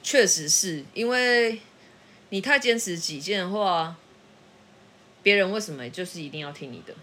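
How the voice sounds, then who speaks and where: A woman's voice: on the low side, animated, normal speed, fairly bright tone. A middle-aged woman chatting casually, reflective and earnest as she shares advice. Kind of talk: casual chat.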